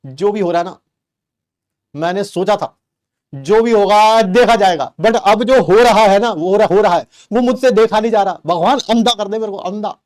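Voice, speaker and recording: A man's voice: high voice, normal speed, darkish tone. A middle-aged man from Delhi, a teacher telling a comic personal story to his class with exaggerated flair and rhetorical questions. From Delhi, India.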